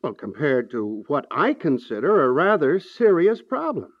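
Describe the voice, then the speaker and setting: An actor in a 1950s radio comedy playing a measured property adviser who delivers bad news with deliberate, hesitant understatement. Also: male voice, on the high side, big pitch swings, no room sound. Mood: apologetic understatement. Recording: dull 1950s radio recording.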